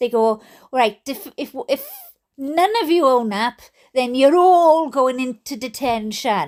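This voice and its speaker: Very slowly, a woman with a Welsh accent speaks at a high pitch. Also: lively intonation. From Wales. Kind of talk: humorous story reading with casual commentary.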